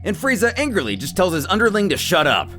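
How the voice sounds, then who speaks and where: A man's voice: high voice, wildly swooping pitch, fast, fairly bright tone. A man narrating a dramatic story recap in a theatrical, suspenseful manner, with music playing behind him. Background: background music.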